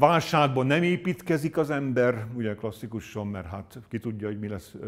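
A man's normal speaking voice at medium pitch and a moderate pace, with lively intonation. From Hungary, Somogy county (Kaposvár); Hungary. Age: 60s. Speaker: economic history professor. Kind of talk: lecture. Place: hall. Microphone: lapel.

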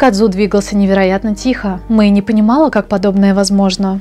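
A woman speaks at a moderate pace. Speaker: streamer. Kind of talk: reading a game's story aloud with asides. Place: home room.

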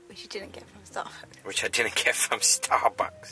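A man whispers at a moderate pace with clear music in the background. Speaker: wellbeing vlogger. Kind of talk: casual vlog chat. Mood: playful, joking. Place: car.

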